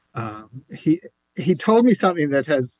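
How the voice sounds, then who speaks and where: A man with an English accent, in a dry, close sound with no echo. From England, Canterbury. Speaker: museum curator. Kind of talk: interview conversation.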